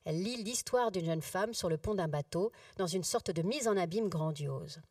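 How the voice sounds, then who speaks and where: Warm-voiced woman giving a literary reading. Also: on the low side, normal speed, no echo, clean studio sound, far from the mic. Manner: intimate, expressive, drifting between hushed whisper and raised voice. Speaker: actress reading a novel aloud. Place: live reading event.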